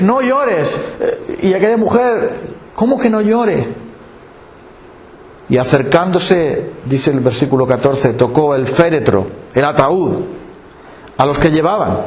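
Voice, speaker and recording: A man preaching a sermon in a lively, dramatic way, acting out the voices he quotes. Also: a little high, roomy sound, a little hiss or hum. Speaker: pastor.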